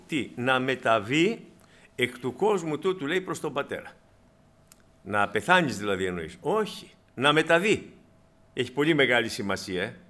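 A man preaching a sermon in a meeting hall, calling his listeners brothers and moving between loud emphatic bursts and quiet asides. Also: medium pitch.

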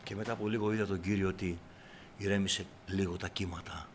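A man preaching a sermon to his congregation, breaking into loud cries and then dropping back to a low, quiet voice. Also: steady tone, a little hiss or hum. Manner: shouts in bursts, then drops to a low, quiet tone; addresses the congregation as brothers.

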